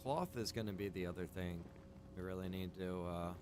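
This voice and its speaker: A deep-voiced man at a moderate pace chats casually as he streams a video game, thinking out loud in a rambling way. Background noise is clearly audible.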